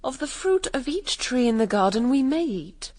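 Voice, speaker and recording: A woman's voice: sits high, very animated, moderate pace, darkish tone. A woman playing an innocent, trusting first woman in a classical verse radio drama, speaking earnestly. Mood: solemn.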